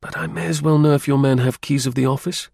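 A calm, businesslike investigator in a storybook, read by a man. He questions in a measured, inquisitive way, with a gravelly, husky voice recorded dry. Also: a little high, no room sound, pitched above the performer's own voice, heavily acted. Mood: probing. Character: calm, probing male investigator.

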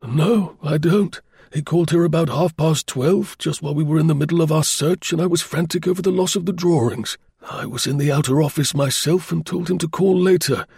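An earnest, fretful engineer from a storybook, played by a male narrator. His voice sits raised and strained above ordinary talk, formal and emphatic, with a husky, gravelly edge. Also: a little high, brisk, darkish tone, no echo, clean studio sound, pitched above the performer's own voice, full character voice. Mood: anxious. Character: anxious male engineer-inventor, proud and earnest.

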